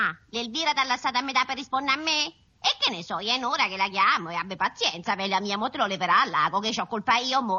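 A woman's voice: high voice, bright, forceful tone, exaggerated voice. Woman playing a scolding housewife. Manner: exasperated, scolding, rapid dialect chatter. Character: chatty harried middle-aged housewife on phone. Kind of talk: 1970s-80s radio sketch acting. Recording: dull lo-fi old radio recording.

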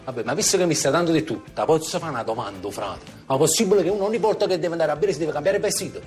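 A man's voice: fairly high pitch, expressive, racing, a little mellow, faint music behind, close to an everyday voice. A man playing a cheeky young Neapolitan who talks in blunt street slang, in comic film dialogue. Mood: cheeky, stubborn.

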